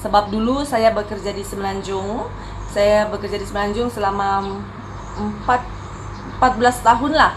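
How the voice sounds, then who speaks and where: A woman's voice: mid-range voice, moderate pace, long pauses, background noise. A woman in her thirties from Sabah with an Indonesian-tinged Tawau Malay accent, chatting casually to camera with many fillers and self-corrections. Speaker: vlogger.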